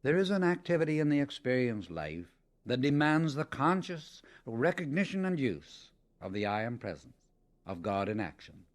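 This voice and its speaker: A man reading a scripted spiritual teaching as an audiobook, in a solemn, deliberate and emphatic manner. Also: medium pitch, very animated. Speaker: audiobook reader.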